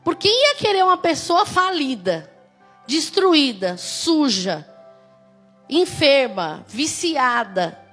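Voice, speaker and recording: A woman's voice: high-pitched, big pitch swings, slow pace, fairly bright tone, faint music behind. A woman pastor with a Brazilian Portuguese accent, preaching a conversational sermon with emphatic, rising exclamations.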